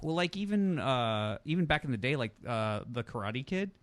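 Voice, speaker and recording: A man's voice: medium pitch, very animated, normal speed. Hesitant male podcast storyteller. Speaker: podcast co-host. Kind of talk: casual chat.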